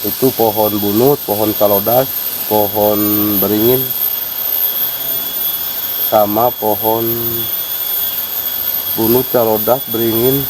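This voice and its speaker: Sundanese guy, lowish voice, slow explainer w lots of uh, hissy outdoor audio. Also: fairly even intonation. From West Java, Sundanese. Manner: unhurried, hesitant with fillers, explains at length. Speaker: site caretaker and guide. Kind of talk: casual explanatory interview. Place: outdoors at a wooded sacred site.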